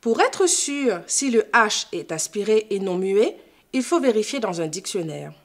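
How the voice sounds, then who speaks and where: A woman French teacher gives a scripted lesson, explaining things slowly, carefully and didactically. Her medium-pitched voice has big pitch swings.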